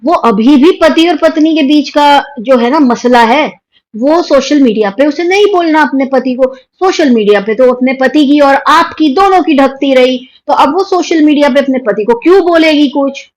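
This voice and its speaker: A woman's voice: high-pitched, animated, moderate pace, low-quality recording. A woman with an Indian accent hosting a reaction video, giving heated, scolding commentary on online drama. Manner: indignant, scolding, mocking quotes.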